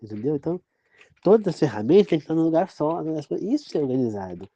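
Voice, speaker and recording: A man's voice: fairly high pitch, sing-song, fast talker, noisy background. A man from Brazil giving an informal, rambling sermon-style talk as a preacher, often checking "entendeu?" with his listeners. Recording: dull, dry, lo-fi sound.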